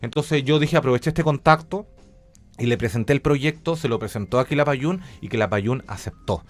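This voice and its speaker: A middle-aged journalist and radio theatre director with a Chilean accent speaks conversationally as an interview guest, reflectively explaining his work. His medium-pitched voice moves at normal speed, with faint music behind him.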